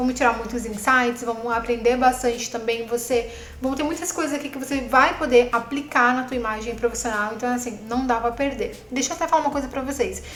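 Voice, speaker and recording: With hardly any pauses, a woman talks fairly quickly at a high pitch and with fairly even intonation, amid audible room echo and noticeable background noise. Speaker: image consultant. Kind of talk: video commentary lesson.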